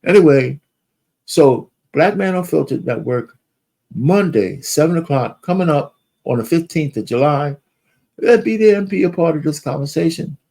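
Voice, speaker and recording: A man's voice: fairly high pitch, expressive, normal speed, gravelly, dark tone. A man hosting his own talk show, speaking bluntly in a loose, rambling way with some swearing. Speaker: host. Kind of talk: casual talk show monologue.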